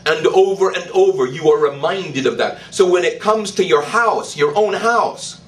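An older man, a priest, preaching a sermon in church, slow and emphatic, with declarations that rise in pitch. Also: lively intonation, far from the mic, poor audio. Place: church, indoors. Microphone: stand mic in front.

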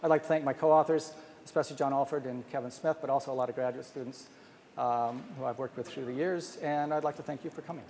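A man's voice: medium pitch, fairly even intonation, quick pace. An older man giving an academic conference talk at a podium microphone, earnest, thinking aloud with many restarts. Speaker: speaker presenting research. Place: large hotel ballroom, at a podium. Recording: long hall reverb, faint noise.

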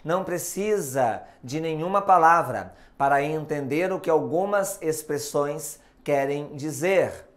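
Slow, deliberate Brazilian man teaching. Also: a little high, animated. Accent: Brazilian Portuguese. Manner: slow, deliberate explanatory delivery with emphasis. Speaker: hypnosis and NLP teacher. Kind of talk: recorded video lesson.

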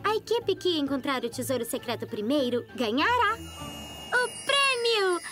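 A woman's voice: sits high, sing-song, unhurried, bright, forceful tone, faint music behind, full character voice. A Brazilian woman voicing a friendly, organised girl who leads her friends, with an instructive manner, in a cartoon dub. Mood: friendly, explaining. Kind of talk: animated children's cartoon dub.

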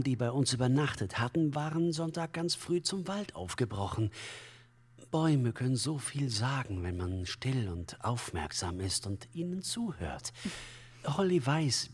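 An esoteric commune leader in a crime radio play. He is unctuous and evasive, halting and solemn in his flowery talk. The husky voice swings widely in pitch under long reverb. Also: expressive, a little mellow. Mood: halting, defensive. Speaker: suspect under police questioning. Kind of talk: crime radio drama acting.

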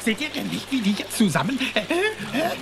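A hectoring little warmonger of a cartoon animal. The high voice jumps about as it scolds and schemes, over a noisy background. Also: female voice, big pitch swings, normal speed, vocal fry. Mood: agitating. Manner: hectoring, scheming, clipped commands. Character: bossy, militant animal agitator, self-styled veteran. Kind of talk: animated film radio play dialogue.

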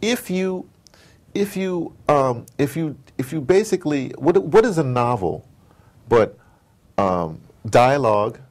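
An American man being interviewed, talking casually as an animated storyteller and often checking in with "you know". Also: mid-range voice, slow pace. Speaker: interview guest, audio drama maker.

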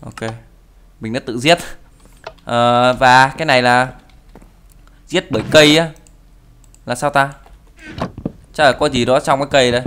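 A man's voice: mid-range voice, steady tone, measured pace, pauses often, fairly bright tone, slight background noise. A young man giving playful Minecraft commentary, breaking into mock-dramatic wailing and pleading. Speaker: gaming YouTuber. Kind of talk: Minecraft let's play commentary.

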